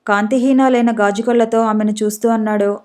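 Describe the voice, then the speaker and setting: A woman narrating a story for an audiobook in a calm, even reading. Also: a little high, fairly quick.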